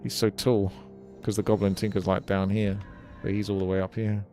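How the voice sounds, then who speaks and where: A man's voice: fairly low pitch, level tone, moderate pace. A man giving casual live commentary as he streams a game, with game music behind him. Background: loud game music and effects.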